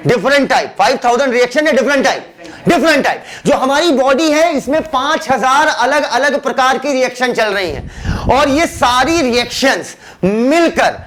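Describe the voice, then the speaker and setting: A man's voice: very high-pitched, lively intonation, normal speed, a bit bright. A man teaching a biology class in a chatty, teasing manner. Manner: chatty, teasing, addresses students as beta. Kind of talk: classroom lecture.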